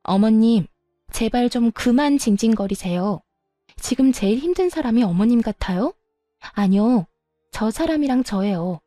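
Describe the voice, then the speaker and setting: A worn-out young wife who has had enough and pushes back, voiced by a woman narrator. She speaks firmly and bluntly in a storybook revenge tale. The tone is mellow and dry. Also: on the high side, animated, moderate pace, no echo, faint music behind, natural voice. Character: exhausted young sister-in-law, finally standing her ground.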